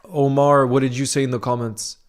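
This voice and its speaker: Young guy hosting a stream, casual chatty talk, reads out comments, mid pitch voice. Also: little pitch movement, fairly quick. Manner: conversational, often asks "you know what I mean". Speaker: livestream host. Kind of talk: casual livestream chat.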